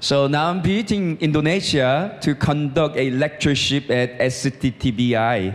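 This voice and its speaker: With a Korean accent, a man speaks at a fairly slow pace and fairly high pitch, with lively intonation, very even loudness and hardly any pauses. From South Korea. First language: Korean (speaking Indonesian). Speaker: pastor. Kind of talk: sermon with interpreter.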